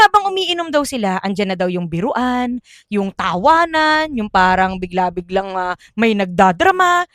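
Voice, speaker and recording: Lively high-voiced woman storyteller. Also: dry recording, clean studio sound. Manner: animated, laughs often, acts out quotes. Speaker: vlogger telling submitted stories. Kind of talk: casual storytelling.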